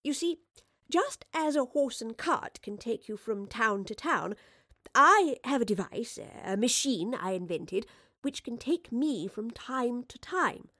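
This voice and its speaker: A woman's voice: a little high, lively intonation, a bit bright, dry recording, studio quality, voice pushed up, full character voice. A woman voicing an educated young Victorian lady inventor, earnest and anxious, in an audiobook story. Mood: earnest, explaining. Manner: well-spoken, earnest, halting when explaining. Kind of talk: acted audiobook dialogue.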